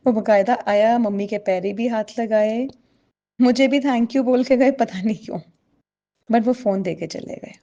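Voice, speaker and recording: A woman's voice: on the high side, a little slow, mellow, muffled recording. A woman speaking with a tinge tells her own devotional story to a gathered congregation. She is earnest and personal, and she keeps turning to her listeners to address them directly as she goes. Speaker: devotee sharing a testimony. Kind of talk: spoken personal testimony to a congregation.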